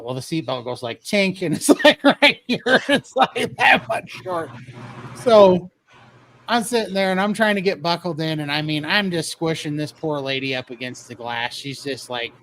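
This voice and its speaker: A man's voice: a little high, a bit bright, slight background noise, rough recording. A man casually telling a funny story about himself, laughing often as he goes. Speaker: guest telling his weight-loss story.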